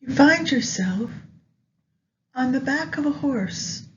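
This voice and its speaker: A woman narrating a guided meditation in a gentle, soothing, unhurried manner with long pauses. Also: sits high, animated. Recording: dull lo-fi audio with background noise.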